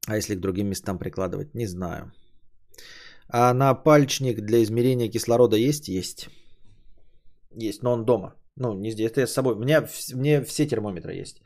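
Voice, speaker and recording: A man in his late thirties, hosting a casual stream and chatting with his audience in a rambling, opinionated way, with lots of fillers and pitch that jumps up when he gets indignant. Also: normal speed, darkish tone. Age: 30s. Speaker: podcast host streaming. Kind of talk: casual stream chat reading donations.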